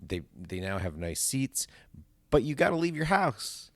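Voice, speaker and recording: A man's voice: mid-range voice, big pitch swings, unhurried, no room sound, clean studio sound. A man hosting a podcast in casual conversation, with a wry, dryly joking manner. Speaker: podcast host.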